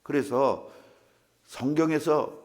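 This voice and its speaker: A man's voice: fairly high pitch, takes it slowly. An older man, a pastor, preaching a humorous sermon in a church and acting out the voices of the people in his stories. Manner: humorous storytelling, acts out quoted voices.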